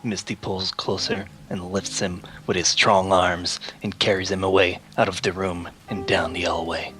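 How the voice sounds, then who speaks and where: Low-voiced man reading mock-romantic fiction. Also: little pitch movement, normal speed, music in the background. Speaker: co-narrator. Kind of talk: dramatic comedic reading of fan fiction.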